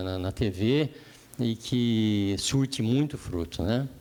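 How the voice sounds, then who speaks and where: Male voice, medium in pitch, with a dark, mellow tone. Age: 60s. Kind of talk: testimony. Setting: dinner event with audience. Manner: hesitant, many fillers.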